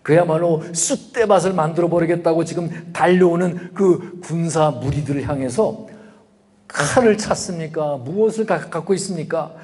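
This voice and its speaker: A man's voice: on the high side, normal speed, darkish tone. A middle-aged man preaching a sermon as pastor, talking conversationally and asking his listeners rhetorical questions. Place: church sanctuary. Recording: long reverb of a church hall.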